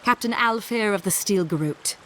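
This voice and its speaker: A woman playing a formal, measured and coolly menacing military captain in a video game. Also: medium pitch, fairly bright tone, a little hiss or hum, close to an everyday voice. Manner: formal, measured, veiled threat. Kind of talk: video game character acting.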